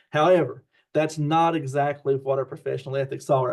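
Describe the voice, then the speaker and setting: A man's fairly high-pitched, somewhat breathy voice with an Appalachian accent, fairly quick in pace and flat, monotone in intonation. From southern West Virginia, McDowell County (Appalachia). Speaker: social work professor. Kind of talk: workshop lecture. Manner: fast.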